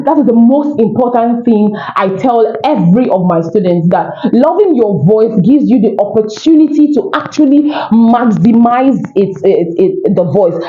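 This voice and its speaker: A woman's voice: medium pitch, warm tone. A woman with a Nigerian accent, a voiceover coach teaching to camera in an earnest, encouraging way, repeating her points. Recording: roomy, dull lo-fi sound.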